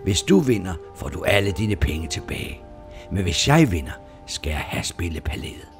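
A man voicing an ancient male demon who owns the land, speaking in measured, riddling, quietly menacing lines in a storybook reading. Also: deep voice, big pitch swings. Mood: commanding. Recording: music playing underneath.

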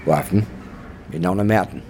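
A man playing a smooth teen dealer. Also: deep voice, a little mellow, a little hiss or hum, pitched below the performer's own voice, close to an everyday voice. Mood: smooth, selling. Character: smooth, discreet teenage boy dealer.

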